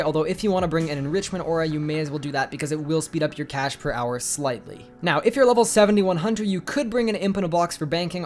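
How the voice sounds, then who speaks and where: A man hosting a video game guide voice-over, slightly congested, upbeat and chatty with his viewers. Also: fairly high pitch. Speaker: gaming guide host.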